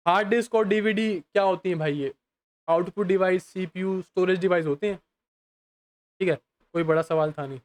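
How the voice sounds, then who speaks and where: A young man teaching exam questions in a casual, chatty way. He reads each English question slowly, then explains it quickly, calls the viewer "bhai" and keeps asking if they follow. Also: high voice. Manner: addresses viewers as bhai, often asks if they understand.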